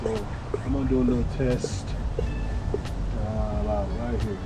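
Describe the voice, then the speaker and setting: A man's voice: on the low side, fairly even intonation, a little slow, loud music behind the voice. A man vlogging casually while he works outdoors, with a laid-back, colloquial way of thinking aloud. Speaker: pressure washing business owner and vlogger. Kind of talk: casual talk to camera while working. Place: outdoors beside a work truck. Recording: noisy outdoor recording with vehicle ambience.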